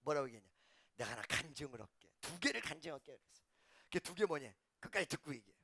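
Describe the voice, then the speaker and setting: A male pastor preaching a sermon, telling stories and acting out the people in them, swinging from hushed asides to shouted lines. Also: on the high side, sing-song, fast talker, creaky, husky. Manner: swings from shouting to hushed, acts out quoted dialogue. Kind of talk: sermon with storytelling.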